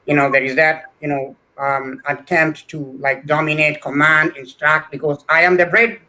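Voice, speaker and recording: A man's voice: fairly high pitch, flat delivery, normal speed, bright, forceful tone, rough recording. A middle-aged man from Kenya, a scholar answering interview questions earnestly, often repeating words as he builds a point. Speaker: guest scholar.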